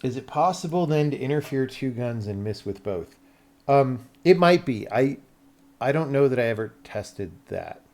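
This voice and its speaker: An American man with a medium-pitched voice streams live, explaining tech on the fly in a rambling, think-out-loud style. His phrasing is loose and casual, sometimes mildly profane. He sounds lively and a touch mellow, talking at a normal speed.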